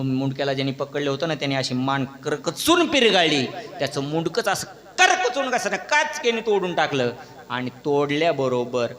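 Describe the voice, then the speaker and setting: A man preaching a devotional kirtan sermon, telling a story with acted voices and questions to the audience. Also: medium pitch. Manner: animated storyteller, acts out characters, questions the audience. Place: large echoey hall at a religious gathering. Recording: echoey hall with long reverb.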